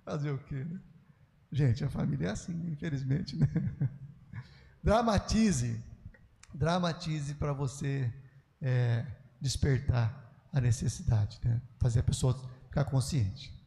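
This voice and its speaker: A man's voice: medium pitch, unhurried, gravelly, dark tone, long reverb tail. An older man with a Brazilian Portuguese accent, a pastor teaching a church class in a conversational, folksy way full of asides.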